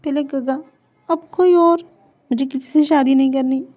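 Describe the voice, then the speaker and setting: A woman's voice: high voice, level tone, a little fast, dark tone, pitched above the performer's own voice, lightly acted. A woman voicing a stammering pleading young man. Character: young man, anxious and pleading about a forced marriage. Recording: dull lo-fi recording.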